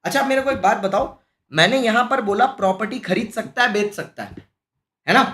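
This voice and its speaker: A man teaching a live-streamed exam-prep class, animated and scolding, full of rhetorical questions. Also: high voice, brisk. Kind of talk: lively live-streamed lecture. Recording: echoey room.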